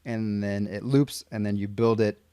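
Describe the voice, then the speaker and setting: A man's voice: fairly low pitch, fairly even intonation, normal speed, warm tone, clear, resonant tone, no echo, clean studio sound. A man with an American accent hosting a podcast interview, asking casual questions and recapping the answers, with frequent fillers. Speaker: podcast host.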